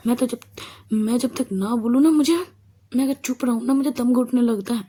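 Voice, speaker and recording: A chatty young female student in a storybook tale, pushy and clingy, with a teasing way of talking, as a woman narrator puts her on. The voice sits a little high and sounds soft and husky. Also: normal speed. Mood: playful, pleading.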